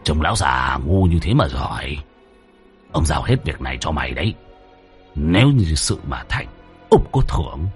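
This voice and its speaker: A man voicing a domineering older village chief who is gruff, bullying and threatening. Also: rumbling low, sing-song, normal speed, pauses often, faint music behind, pitched below the performer's own voice. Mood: smug.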